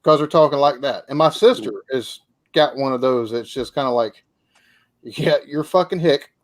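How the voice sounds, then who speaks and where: A man's voice: mid-range voice, fairly quick. A man in casual chat who rambles, repeats words and swears freely. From not from this area.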